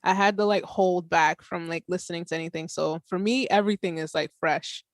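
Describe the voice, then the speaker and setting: Gravelly, casual music commentator. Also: medium pitch, steady tone, brisk, no room sound. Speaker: co-judge of music challenge entries.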